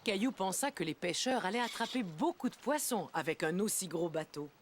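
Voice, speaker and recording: A woman as a gentle storyteller narrating a children's cartoon in a scripted, storybook style. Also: mid-range voice, lively intonation, a little fast, noisy background, natural voice. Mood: storytelling. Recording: music behind the voice.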